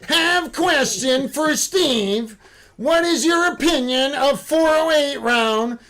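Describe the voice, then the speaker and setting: A man voicing a Czech special operations man who asks a question in broken English, with a put-on Czech accent and a high voice. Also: slow pace, fairly bright tone, full character voice, rough recording. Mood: earnest.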